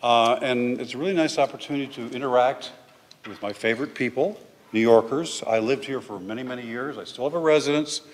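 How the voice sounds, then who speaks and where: An older man giving a public history lecture in a large hall, talking informally and filling pauses with "uh" and "okay". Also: mid-range voice. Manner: chatty, with frequent "uh" and "okay". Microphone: lectern microphone. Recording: reverberant hall.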